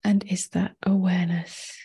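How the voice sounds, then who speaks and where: A woman meditation teacher leading a guided meditation in a soft, breathy near-whisper, gently and with long pauses. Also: on the low side, little pitch movement.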